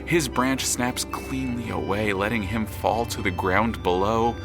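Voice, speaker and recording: A man narrating an audio drama from a script in a measured, dramatic, storybook-like manner. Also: fairly low pitch, steady tone, over music.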